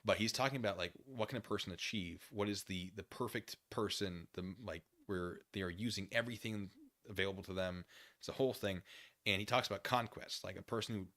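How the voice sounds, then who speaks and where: A man hosting a casual livestream, thinking out loud in an opinion monologue, often rephrasing and qualifying what he says. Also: low-pitched. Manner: musing, halting, often rephrasing and qualifying himself. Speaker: livestream host. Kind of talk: casual opinion monologue, answering chat comments.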